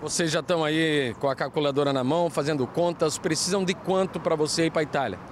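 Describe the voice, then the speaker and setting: A male reporter with a Southern Brazilian accent, asking quick, chatty questions in an outdoor street interview. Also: fairly high pitch, slight background noise. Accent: Southern Brazilian Portuguese. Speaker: field reporter.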